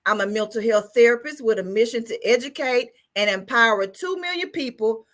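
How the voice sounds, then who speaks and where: A woman's voice: a little high, fairly quick, fairly bright tone. An enthusiastic woman from Texas with a Southern US accent, talking casually and folksily as a therapist guest. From Texas, United States. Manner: enthusiastic, folksy, rhetorical check-ins. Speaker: guest, mental health therapist. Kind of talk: casual interview and motivational talk.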